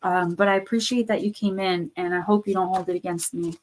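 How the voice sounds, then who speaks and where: A woman's voice: fairly low pitch, steady tone, fairly quick, slight background noise, poor audio. A woman hosting a live card reading stream, losing her voice with a sore throat, chatting loosely with many fillers and restarts. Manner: reads card texts aloud, then riffs loosely with fillers and restarts. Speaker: tarot and oracle card reader, channel host.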